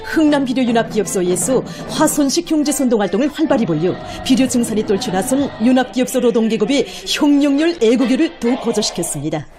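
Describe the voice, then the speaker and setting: A woman's voice: a little high, lively intonation, quick pace, hardly any pauses, over music. A woman with a North Korean accent narrating formal broadcast news in an emphatic, declamatory cadence.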